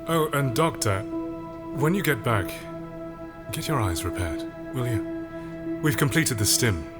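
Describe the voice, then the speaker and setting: An actor playing a smug, calculating senior official in a science fiction audio drama, formal and measured. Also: male voice, mid-range voice, big pitch swings, loud music behind the voice. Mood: condescending, needling.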